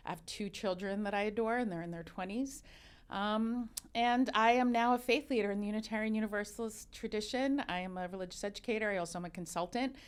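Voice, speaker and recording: Woman in her 50s, arabic is her first language, smooth clear voice, open and chatty, lots of restarts. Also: medium pitch, fast talker. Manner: candid, animated storyteller with frequent restarts. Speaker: guest, religious educator and consultant. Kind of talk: casual interview talk.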